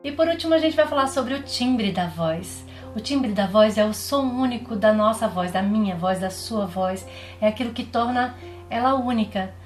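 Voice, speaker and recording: A woman with a Brazilian accent giving a drama lesson, explaining clearly and demonstrating. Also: fairly high pitch, normal speed. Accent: Brazilian Portuguese. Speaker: drama teacher. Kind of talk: recorded online lesson. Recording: echoey room with faint music.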